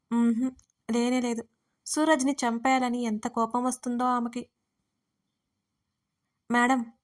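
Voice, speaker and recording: A woman narrating a serialized audio story in a steady, even reading. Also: on the high side.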